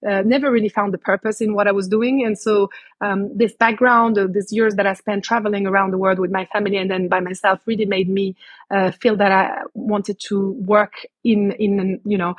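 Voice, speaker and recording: A woman's voice: mid-range voice, breathy edge, no room sound. A woman from Morocco, a guest in a podcast interview, talking with many fillers and restarts. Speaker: guest, travel company managing director. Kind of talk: conversational interview.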